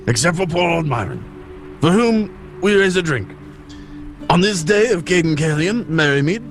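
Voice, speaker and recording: A hearty circus man holds forth as acted by a male player in a tabletop game. His delivery is slow and theatrical, with huge swings of pitch. Faint music plays underneath. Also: fairly bright tone, full character voice. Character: hearty circus man giving a rousing toast. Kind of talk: tabletop roleplay in character.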